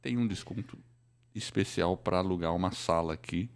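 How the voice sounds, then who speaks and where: A man's voice: low voice, moderate pace. A middle-aged man with a Brazilian accent, hosting a podcast in a casual conversational style. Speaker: podcast host.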